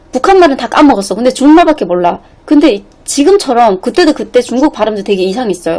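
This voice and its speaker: A woman talks at a very fast pace with lively intonation. Noticeable background noise runs underneath. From North Korea. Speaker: internet streamer. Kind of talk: casual vlog talk.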